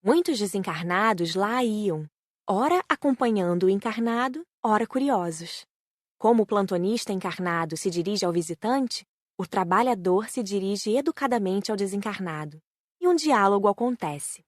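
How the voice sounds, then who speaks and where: A Brazilian woman narrates an audiobook from a script. Her voice is mid-pitched. The sound is dry and free of room echo. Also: expressive, normal speed. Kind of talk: scripted narration of a spiritist book.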